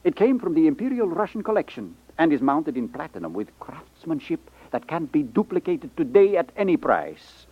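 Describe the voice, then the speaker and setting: A courtly middle-aged jeweler in a 1950s radio play. His voice sits fairly high and moves with animation, selling politely and fussing like a father. The sound is dry and muffled. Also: sing-song, moderate pace, hardly any pauses, breathy edge. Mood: proud, courteous. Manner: salesmanlike, courteous, inverted phrasing. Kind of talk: 1950s radio drama acting. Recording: dull 1950s radio recording.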